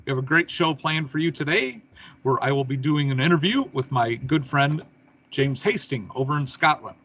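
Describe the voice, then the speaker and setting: A man with a husky, slightly rough voice hosts an interview show. He delivers prepared announcements and casual questions in a conversational way at a middling pitch. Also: animated, normal speed, fairly bright tone. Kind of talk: scripted show intro and casual interview talk.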